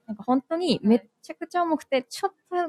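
A woman's voice: sits high, expressive, fast talker, warm tone, no room sound, clean studio sound. A woman from Hiroshima with a Hiroshima accent, hosting a casual live radio chat and laughing often. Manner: laughs often, polite and chatty. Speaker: host.

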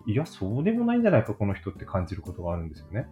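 A woman with a very low, mellow voice conducts a casual, polite interview. Her intonation moves around in a lively way, and music sits softly behind her. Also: rapid-fire. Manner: attentive, frequent acknowledgements, polite. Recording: background music under the talk.

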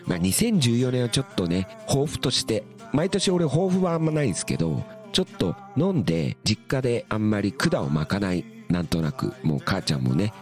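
A middle-aged man hosting a radio show, telling rambling stories in a relaxed, chuckling way. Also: lowish voice, a little fast, few pauses, faint music behind. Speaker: radio show host and musician. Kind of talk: casual radio storytelling.

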